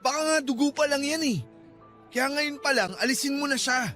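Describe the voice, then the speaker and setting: An irritable, defensive student boyfriend in a radio drama. His voice is very high and bright for a man, exasperated and insistent, with faint music behind. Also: moderate pace. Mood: insistent, persuading. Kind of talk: Tagalog radio drama acting.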